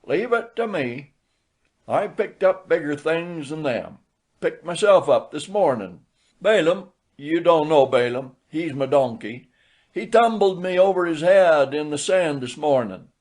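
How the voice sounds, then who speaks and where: A man's voice: a little high, animated, unhurried, darkish tone, voice pushed up. A man voicing a genial, tipsy old church elder from the rural American South, folksy and emphatic in a storybook reading. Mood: gallant, jovial. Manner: folksy, emphatic, dialect speech.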